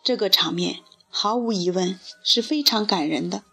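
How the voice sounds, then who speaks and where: A woman reading a storybook aloud to children in a gentle, expressive way. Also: mid-range voice, moderate pace, creaky, husky, soft background music.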